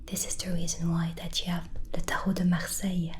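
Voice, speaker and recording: A woman playing a gentle, chatty white witch from the forest in a soft, breathy, unhurried ASMR whisper. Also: lowish voice, monotone, noisy background, natural voice. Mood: gentle, musing.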